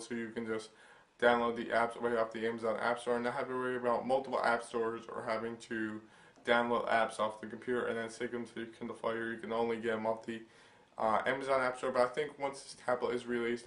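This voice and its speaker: A man's voice: mid-range voice, a bit bright, echoey room. Stuffy young man rambling a tech overview. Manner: rambling, filler-heavy, hesitant. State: stuffy from a cold. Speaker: tech channel host. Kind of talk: casual product overview vlog.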